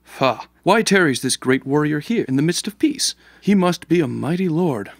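Woman as a low-voiced fretful royal soldier. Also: expressive, moderate pace, no echo, studio quality. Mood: awed. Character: dramatic, awed, fretful royal soldier or courtier. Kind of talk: storybook audio drama.

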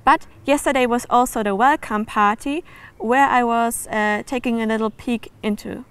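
A woman's voice: a little high, moderate pace. A woman in her twenties presenting and interviewing casually as a show host. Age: 20s.

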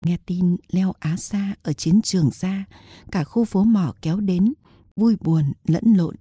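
A woman reads a historical novel aloud in a steady storytelling manner. Her voice is husky with a very dark, mellow tone, recorded close and dry. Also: on the low side, measured pace, no echo. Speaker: audiobook narrator. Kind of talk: scripted novel narration.

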